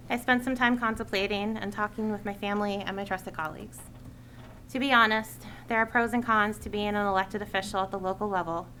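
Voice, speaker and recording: A woman's voice: medium pitch, pushed and bright, rough recording. Woman board chair, sincere prepared remarks, meeting-room mic with faint noise. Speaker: school committee chair. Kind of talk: prepared farewell speech at a public meeting.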